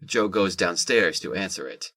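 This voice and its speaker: Deep-voiced male audio drama narrator. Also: lively intonation, moderate pace, pushed and bright.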